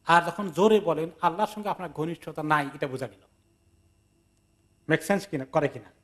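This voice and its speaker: A man's voice: a little high, brisk. A man explaining Quran commentary in a conversational sermon, acting out little dialogues and mixing in English words. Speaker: Islamic teacher giving Quran tafsir. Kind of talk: sermon-style lecture with acted anecdotes.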